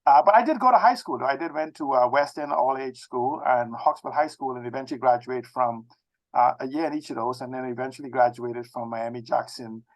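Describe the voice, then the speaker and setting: Halting Bahamian man in his sixties. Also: medium pitch, rough recording. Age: 60s. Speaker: interview guest, technology expert. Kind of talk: conversational autobiographical interview talk.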